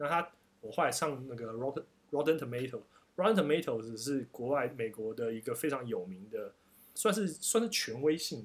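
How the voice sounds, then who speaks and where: Speaking at a fairly quick pace, a man with a fairly high voice swings very widely in pitch and shifts a lot in loudness. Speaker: podcast host. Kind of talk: casual chat. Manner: animated.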